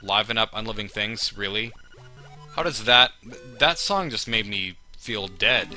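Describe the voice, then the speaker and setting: A man's voice: fairly low pitch, a little slow, bright, forceful tone, soft background music, rough recording. A man giving humorous commentary on a video game in a wry, sarcastic manner with exaggerated reactions. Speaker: let's play host.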